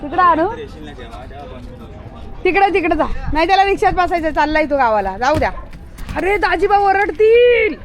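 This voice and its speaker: Woman w a really high voice fussing over her dogs outside, coaxing and scolding, people chattering around. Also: lively intonation, normal speed, pauses often, a faint crowd. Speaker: vlogger with pet dogs. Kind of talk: casual talk to pets and neighbors.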